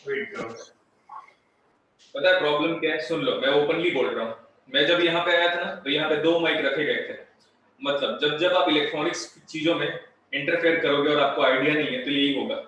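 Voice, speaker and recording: This man runs a live online electronics class from a studio, speaking briskly in a firm, blunt manner with a voice on the high side. The highs are cut off, and the distant studio mic adds faint noise and heavy echo, as though he were shouting into a canyon.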